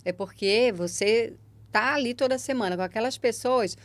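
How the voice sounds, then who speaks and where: A woman's voice: a little high, moderate pace. A woman with a Brazilian Portuguese accent hosting a podcast interview, speaking emphatically and encouragingly, often checking in with the listener. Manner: emphatic, encouraging, tag questions. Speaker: podcast host. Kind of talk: conversational interview.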